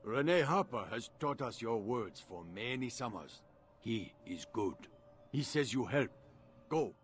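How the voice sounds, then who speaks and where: An actor playing a proud, stern alien tribal warrior in a video game, speaking in terse, stilted, formal phrases. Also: male voice, medium pitch, expressive, unhurried, slight background noise, natural voice. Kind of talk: dramatic video game dialogue.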